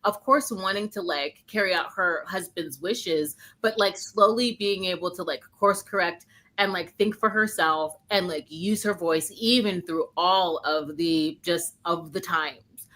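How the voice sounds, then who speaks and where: Woman, slightly low voice, gushing book-club panelist, rambling and informal. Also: measured pace, fairly bright tone. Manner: effusive, rambling, peppered with "like". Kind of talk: casual chat, gushing about a novel.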